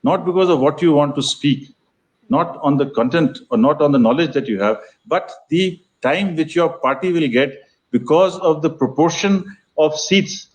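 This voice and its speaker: A man's voice: a little high, poor audio. An older man with an educated Indian accent explains things conversationally in an interview, articulate and formal in vocabulary, circling back and repeating phrases as he goes. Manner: discursive, halting, repeats phrases while explaining. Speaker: interview guest, festival organiser.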